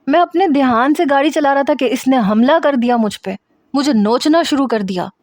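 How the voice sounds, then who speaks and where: A woman's voice: high-pitched, a little mellow, no room sound, clean studio sound, pitched above the performer's own voice, close to an everyday voice. A woman voicing an angry, worn-out young husband who scolds sharply in a storybook reading. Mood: explaining.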